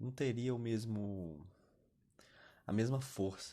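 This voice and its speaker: A man with a dark, mellow tone and ordinary pitch variation is heard on a very clean recording with a silent background. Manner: slurred S's, swallowed words, faulty diction.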